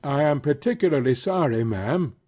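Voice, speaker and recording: Husky, grave colonel, played by a man. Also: a little high, lively intonation, normal speed, warm tone. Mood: regretful, firm. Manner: formal, restrained, polite. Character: grave, courteous, reserved English gentleman colonel. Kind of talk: dramatised classic novel reading.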